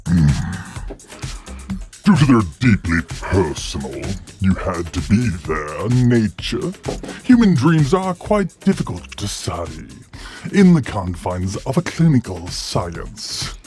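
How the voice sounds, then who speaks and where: A man talking through a deep demon voice-changer effect, playfully reading a news item on a podcast. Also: big pitch swings, takes it slowly, darkish tone, faint music behind. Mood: gleeful. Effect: deep demon voice-changer filter.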